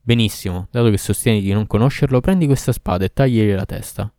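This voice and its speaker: A man voicing a cruel, furious male demon who shouts accusations and orders in a storybook reading. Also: on the low side, fast, no echo, studio quality, natural voice. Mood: menacing. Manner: loud, commanding, accusing.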